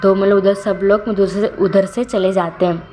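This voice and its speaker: A woman's voice: mid-range voice, fairly even intonation, moderate pace, warm tone, slight background noise. A woman casually retelling a fan-fiction story, rambling and often correcting herself mid-sentence.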